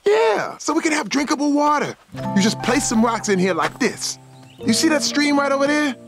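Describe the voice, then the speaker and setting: An actor playing a proud, boastful cartoon dad with an earnest way of talking. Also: male voice, extremely high pitch, very animated, moderate pace, heavily acted. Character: proud, boastful dad on a family camping trip. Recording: music bed behind the dialogue.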